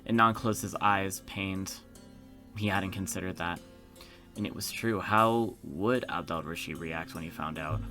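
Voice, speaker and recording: Young man, lowish bright voice, let's play narration, casual reactive asides, faint music. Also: unhurried. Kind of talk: reading visual novel narration aloud with casual reactions. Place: small room indoors with gaming setup. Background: game music.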